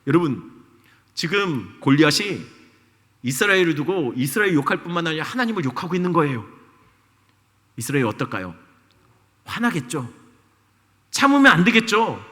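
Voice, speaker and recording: A man's voice: a little high, big pitch swings, normal speed, pauses often, sharp tone. A male pastor preaching a sermon in a church, telling a story with energy and putting questions to the congregation. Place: church sanctuary. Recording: long reverb of a church hall.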